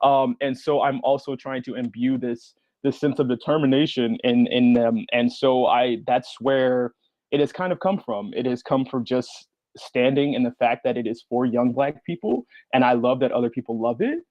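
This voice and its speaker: A man's voice: mid-range voice, normal speed, darkish tone, no echo, lo-fi sound. A man speaking as a podcast creator on a panel, answering conversationally and acting out short quotes as he tells stories. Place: remote online panel.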